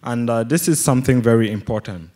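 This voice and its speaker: A man's voice: medium pitch, fast talker, mellow. A young man from Cameroon with a Cameroonian accent, commenting from the audience as a student, in an explanatory way. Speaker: audience questioner, geology PhD student. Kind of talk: question and comment from the floor.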